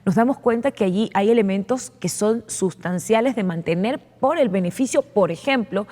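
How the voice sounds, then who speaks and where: A woman's voice: medium pitch, a little mellow. A woman lawmaker explaining her views in a televised interview, earnest and full of "eh" fillers and repeated words. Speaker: legislator being interviewed. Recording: long reverb.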